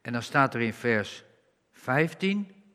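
A man preaching a sermon, reading scripture slowly and with emphasis and rising on key words. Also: mid-range voice, lively intonation, a bit bright. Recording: reverberant hall.

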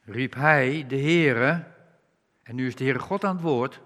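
Preacher in a reverberant hall. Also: male voice, medium pitch, fairly bright tone. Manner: slow emphatic scripture reading, rising on key words. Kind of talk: sermon.

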